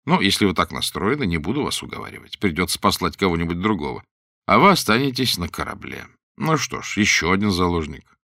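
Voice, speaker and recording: A man voicing a calm, dryly ironic pirate captain in a storybook reading. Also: sits low, fairly quick, dry recording, studio quality, exaggerated voice.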